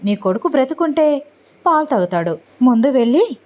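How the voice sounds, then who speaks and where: A woman's voice: high voice, sing-song, moderate pace, darkish tone, dull audio. A woman voicing a fiery, defiant young woman who speaks boldly and bluntly. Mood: angry, defiant. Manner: bold and confrontational.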